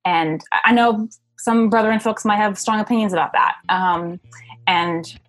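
A woman's voice: medium pitch, a little slow. A young woman talking casually as an interviewee, in a hesitant, circling conversational way. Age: young adult. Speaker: interviewee, ordained minister.

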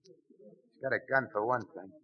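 An actor playing a frightened small-time informant in a 1940s-style radio drama, pleading and jumpy. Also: male voice, mid-range voice, a little slow, lightly acted. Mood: scared. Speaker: nervous informant. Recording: distant muffled old radio recording.

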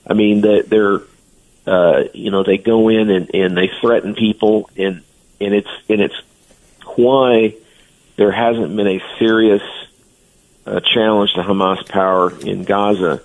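Low raspy guy on a radio show, talks blunt and earnest. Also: steady tone, measured pace, poor audio. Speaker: guest commentator. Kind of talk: radio interview.

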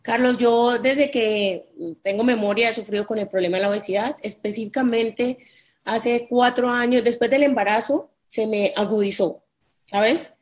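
A woman from Colombia in her forties, speaking as an interview guest. Her voice sits a little high, and she tells her own story openly and with feeling. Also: fairly even intonation, normal speed. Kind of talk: personal interview.

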